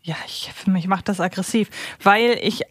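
A woman's voice: medium pitch, moderate pace, fairly bright tone, no room sound, studio quality. A woman co-hosting a podcast, chatting casually and analytically. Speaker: podcast co-host.

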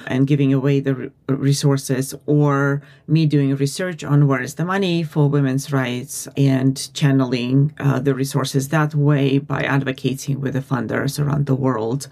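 A woman's voice: a bass voice, steady tone, unhurried, hardly any pauses, warm tone. A woman from Uzbekistan, a feminist consultant, answering interview questions in an earnest, reflective way with some restarts.

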